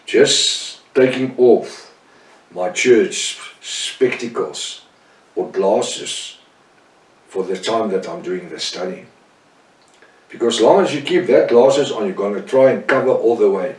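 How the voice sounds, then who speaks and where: A man's voice: fairly low pitch, expressive, slow pace. A man with a South African Afrikaans accent teaching the Bible, emphatic, often repeating and correcting himself. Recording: roomy sound from a distant mic.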